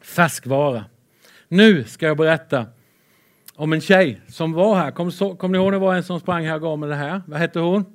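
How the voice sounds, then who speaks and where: A man preaching a lively sermon with Bible readings, excitable and playful, swinging between loud and soft. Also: fairly high pitch.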